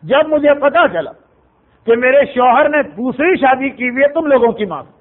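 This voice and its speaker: A man's voice: very high voice, lively intonation. A man voicing a remorseful widow who confesses her jealousy in a lamenting first-person telling. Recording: tinny phone-like sound.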